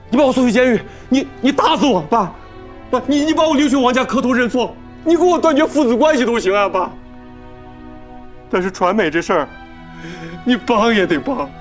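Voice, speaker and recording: A desperate pleading son. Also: male voice, very high voice. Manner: desperate, pleading, tearful outbursts. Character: guilt-ridden young man begging his father. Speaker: son pleading with his father. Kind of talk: TV drama acting.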